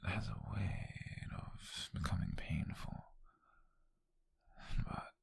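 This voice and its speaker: A man voicing a tender, flirtatious witch on a date in an ASMR roleplay, with a British accent and a soft, breathy, gravelly whisper. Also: low voice, heavily acted. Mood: vulnerable, tender. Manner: soft, intimate, slow and hesitant.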